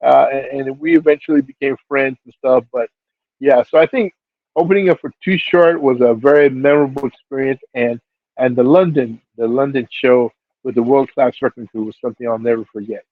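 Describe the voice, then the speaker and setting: A man's voice: medium pitch, fairly quick, no echo. Laid-back man on a tinny phone line. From Seattle. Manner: laid-back, many fillers, voice jumps up for quoted reactions. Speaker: hip-hop DJ and label figure telling his story. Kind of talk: casual storytelling interview.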